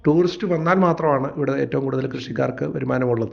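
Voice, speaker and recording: Man, agriculture officer as guest, gravelly voice, measured answers with fillers, dull lo-fi radio sound. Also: mid-range voice. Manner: measured, explanatory, with hesitant fillers. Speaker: agriculture assistant, interview guest.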